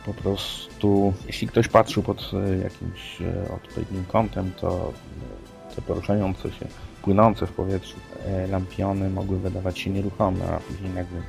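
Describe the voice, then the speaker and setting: A man co-hosting an unscripted podcast discussion, speaking haltingly as he searches for words. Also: low voice, flat delivery, creaky. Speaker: podcast co-host. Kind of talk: unscripted paranormal news discussion. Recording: music playing under the voice. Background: music.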